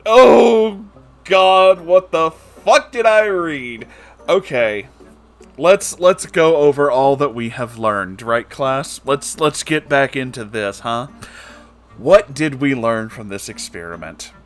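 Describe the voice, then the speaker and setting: A man's voice: medium pitch, lively intonation, slow pace, soft background music. A man giving casual, sweary commentary on a book as host, sarcastic and emphatic in his delivery. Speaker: host of a book reading series.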